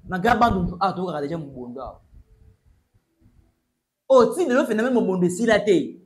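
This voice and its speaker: Young Congolese male commentator, high voice, urgent and emphatic, seated in a small room facing the camera. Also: animated, a little fast. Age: young adult. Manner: emphatic, urgent, gesturing while addressing the camera. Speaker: news commentator. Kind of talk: mixed French and Lingala commentary. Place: small plain room indoors.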